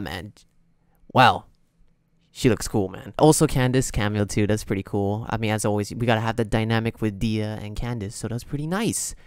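A man's voice: mid-range voice, dry recording, studio quality. A young man giving casual, slangy, exclamatory reaction commentary as a video host. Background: loud game trailer music.

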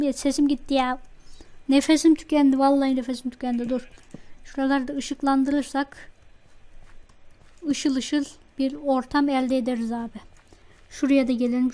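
A woman hosting a let's play, chatting to herself and her viewers as she plays, easily excited. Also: high voice. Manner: chatty, talks to self while playing, easily excited. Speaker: gaming channel host. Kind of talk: let's play game commentary.

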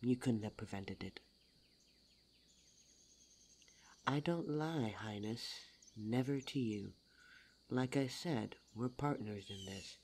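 A performer voicing a suave, teasing demon lover in an intimate ASMR roleplay audio drama, smooth-talking and formal in address. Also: mid-range voice, unhurried, darkish tone. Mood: soothing, intimate.

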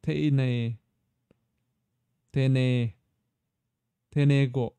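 A man hosts a casual live stream while playing, thinking aloud, stammering and repeating words as he talks straight to his viewers and asks them questions. His voice is mellow with drawn-out words, and there is no room sound.

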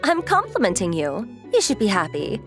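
A woman's voice: mid-range voice, huge pitch swings, normal speed, over music. A woman voicing a proud, blunt young rich woman in a manga dub, self-assured, matter-of-fact and teasing. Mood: miffed. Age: young adult.

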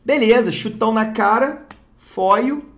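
Slow-paced Brazilian unboxing host. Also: mid-range voice. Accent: Brazilian Portuguese. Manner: excitable, swears, repeats exclamations. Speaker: card-opening channel host. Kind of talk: casual unboxing commentary.

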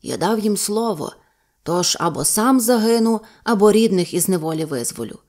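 Young male Cossack hero, read by a woman: fierce, proud, forceful storybook voice. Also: mid-range voice, lively intonation, normal speed. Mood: resolute.

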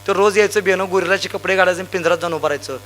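A young man from Sangli district, Maharashtra, giving a loud, emphatic motivational stage speech full of anecdotes. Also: sits high, steady tone, racing, faint music behind. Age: young adult. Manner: loud, emphatic, rousing, addresses crowd directly. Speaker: motivational speaker.

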